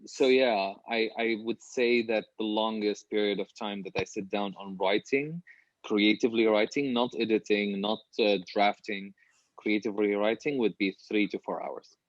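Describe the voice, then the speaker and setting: A lower-pitched man from Syria talks as an interview guest in an informal, candid way. The sound is slightly muffled and lo-fi, like a video call, with a dry room around him. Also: steady tone, moderate pace, no echo. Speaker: guest author being interviewed. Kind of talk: casual conversational interview. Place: small apartment home office, remote call.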